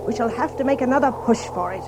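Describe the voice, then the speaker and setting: A woman's voice: fairly high pitch, fast talker, noisy background, natural voice. A woman playing a brave, kindly, fussing old male water rat in a children's audio drama, with hesitant, old-fashioned British phrasing. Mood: resigned, practical.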